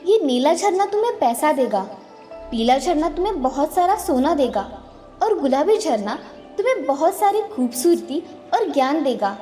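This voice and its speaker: A gentle forest fairy from a cartoon speaks calmly and reassuringly, as a woman acts her out. Her voice is fairly high, warm-hearted and motherly in manner. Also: moderate pace, far from the mic, faint music behind. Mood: kind. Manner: calm, reassuring. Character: kind forest fairy queen, calm and motherly. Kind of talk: cartoon voice acting.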